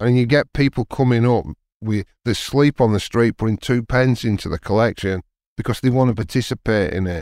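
Recorded very cleanly with a silent background and a dry, close sound without echo, a man with a Lancashire accent talks at a fairly quick pace in a medium pitch with ordinary pitch variation. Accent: northern English (Lancashire). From northern England, Burnley, East Lancashire. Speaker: pastor. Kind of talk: testimony.

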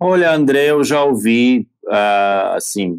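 The sound is close and dry, without any echo. The pitch moves in a lively way. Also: man. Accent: Slovak. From Slovakia. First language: Slovak (speaking Portuguese). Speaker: entrepreneur, gin brand founder. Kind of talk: interview. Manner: halting.

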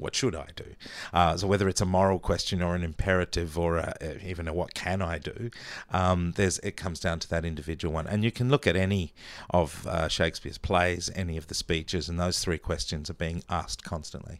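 A man with a very deep, low pitch talks at a fairly quick pace with fairly even intonation. The recording is very clean, with a silent background. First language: Italian. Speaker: linguistics professor and theatre director. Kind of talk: casual chat. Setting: recorded in a home.

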